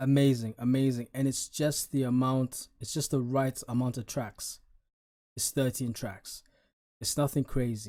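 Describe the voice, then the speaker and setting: Monotone, flat delivery in a dark, mellow tone with a non-native accent, at a fairly slow pace, in a very clean recording with a silent background. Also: man, medium pitch for a man. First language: not English. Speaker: music reviewer and rapper. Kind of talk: casual album review. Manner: hesitant, many fillers.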